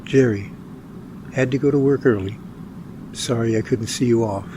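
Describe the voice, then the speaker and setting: A man's voice: mid-range voice, moderate pace, background noise, natural voice. A man playing an earnest, anxious twenty-seven-year-old survey worker in an amateur radio drama. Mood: puzzled.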